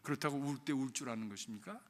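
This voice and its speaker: A middle-aged male pastor preaching a sermon, sweeping from hushed near-whispers up to loud, ringing climaxes. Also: medium pitch, fast talker, a little hiss or hum. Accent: Korean. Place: church sanctuary. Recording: church hall reverb.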